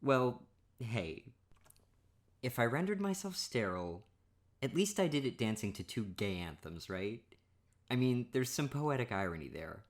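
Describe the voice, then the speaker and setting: A man speaks in a hushed, intimate boyfriend-roleplay monologue. He is playful and self-mocking, teasing and laughing at his own story in a soft voice. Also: medium pitch, very animated, unhurried.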